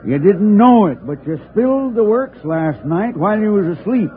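Tough police chief, blunt, high-pitched, tinny old broadcast. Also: male voice, expressive, normal speed. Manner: blunt and matter-of-fact. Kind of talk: 1940s radio acting.

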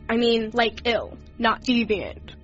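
A woman's voice: on the high side, expressive, slow pace, muffled recording, music in the background. A woman playing a snarky teen girl witness. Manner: sarcastic, slangy, eye-rolling. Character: flippant underage female witness, sarcastic teen. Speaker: witness being questioned. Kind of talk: radio drama acting.

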